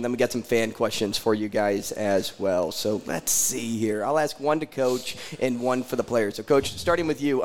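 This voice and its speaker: Playful young man hosting an interview. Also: medium pitch. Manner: playful, teasing, rambling questions. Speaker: interviewer host. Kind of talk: casual chat interview.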